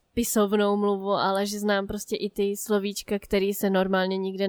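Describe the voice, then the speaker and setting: A woman's monotone, flat delivery at a moderate pace, in a very clean recording with a silent background and a dry, close sound with no echo. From Czech Republic, Vietnamese immigrant family. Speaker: podcast co-host. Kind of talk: casual chat.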